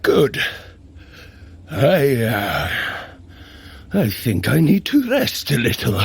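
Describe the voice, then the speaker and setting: An actor playing a hearty warrior god of thunder, speaking in a heroic, archaic, declamatory manner in an audio adventure. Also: male voice, medium pitch, wildly swooping pitch, slow, vocal fry, husky, exaggerated voice. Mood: weary relief. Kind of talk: dramatic audio adventure acting. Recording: loud effects and storm-like noise. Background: loud ambient effects noise.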